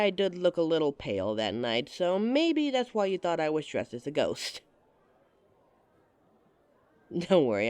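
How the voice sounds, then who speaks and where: A woman's voice: on the low side, a little mellow, smooth, dry recording. A woman performing a scripted roleplay monologue to a listener, playful and giggly, with a teasing manner.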